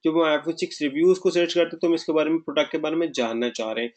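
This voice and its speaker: Male webinar instructor, raised pitch, conversational and interactive, drops English terms into lessons. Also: fairly even intonation, racing, a little mellow. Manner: interactive, asks the class questions often; mixes English terms into explanations. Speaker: online marketing instructor. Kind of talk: live webinar lecture.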